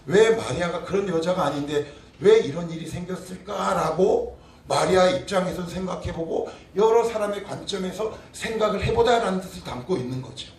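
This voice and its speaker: This pastor, in his forties, has a high voice and delivers a chatty sermon to his congregation, posing one rhetorical question after another. The recording comes from a distant mic in an echoey church sanctuary, with slight background noise.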